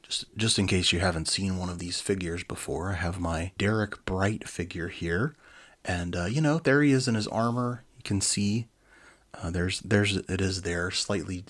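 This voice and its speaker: Hosting a children's book reading, a man in his forties mixes lively, expressive narration with casual and enthusiastic asides, his voice sitting low.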